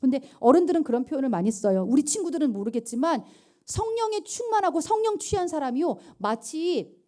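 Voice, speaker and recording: A woman pastor giving a sermon to teenagers, asking many questions and swinging between loud and hushed lines. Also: high voice, brisk. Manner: lively preaching with sudden loud and hushed lines; asks the listeners many questions. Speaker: youth pastor.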